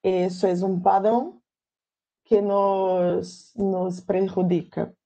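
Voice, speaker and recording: A woman's voice: medium pitch, little pitch movement, extremely slow, creaky, mellow. A Brazilian woman whose first language is Portuguese, giving an academic lecture in Spanish and searching carefully for her words. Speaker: guest lecturer.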